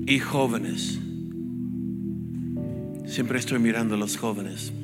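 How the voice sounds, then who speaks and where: A man's voice: mid-range voice, slow. An older man preaching a sermon as pastor, emphatic and repetitive, in a large church hall. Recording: long hall reverb with faint music.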